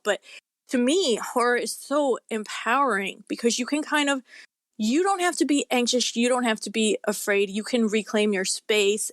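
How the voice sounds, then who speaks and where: A woman's voice: on the high side, no room sound. American woman in casual, dry-recorded chat. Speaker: interview guest, horror author. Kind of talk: casual conversational interview.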